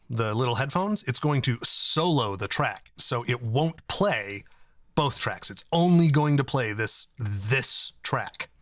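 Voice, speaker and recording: A man in his thirties hosting a casual software tutorial, explaining things in a conversational way. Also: mid-range voice, dry recording, clean studio sound. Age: 30s. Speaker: tutorial host.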